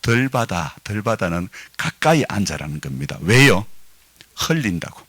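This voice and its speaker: A middle-aged male pastor from Gyeongsang preaches in a low voice that rises and falls with animated swings. His accent colors every line as he calls for amens and teaches. The sound is dry and close, with almost no room echo. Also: moderate pace, husky. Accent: Gyeongsang Korean. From Gyeongsang province, Korea. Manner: lively preaching, calls for amens, explains dialect to the congregation. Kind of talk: sermon. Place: church sanctuary.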